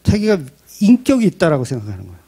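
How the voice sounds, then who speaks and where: A man preaching a Sunday sermon in church with a high voice that swoops up and down expressively. His tone is mellow and warm. He keeps the address conversational, asking the congregation questions and slipping in touches of humor. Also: huge pitch swings, quick pace, breathy edge. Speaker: pastor.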